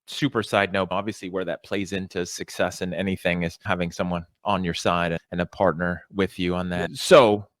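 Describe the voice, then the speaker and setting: A man's voice: low-pitched, flat delivery, moderate pace, hardly any pauses, fairly bright tone, dry recording. A man hosting an interview podcast, introducing his guest and asking questions in an upbeat, enthusiastic way. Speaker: podcast host.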